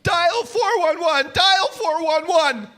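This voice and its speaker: A man's voice: very high voice, expressive, slow, sharp tone, full character voice. A man playing an anxious, sarcastic everyman in a staged comedy reading. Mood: panicked.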